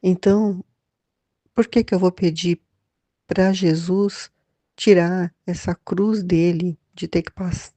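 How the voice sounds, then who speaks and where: A Brazilian woman leads a Catholic devotional talk in a low, gravelly voice with a mellow tone. She speaks hesitantly, often restarting her sentences. The sound is dry and close. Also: no echo. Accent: Brazilian Portuguese. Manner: hesitant, many restarts and fillers. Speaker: Catholic study leader. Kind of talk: devotional reflection.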